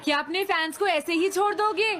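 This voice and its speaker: A woman's voice: extremely high pitch, a little fast, sharp tone, a little hiss or hum. A woman playing an eager, naive young schoolboy in a cartoon dub, with a pleading manner. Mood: urging. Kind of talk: Hindi cartoon dubbing. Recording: music under the voice.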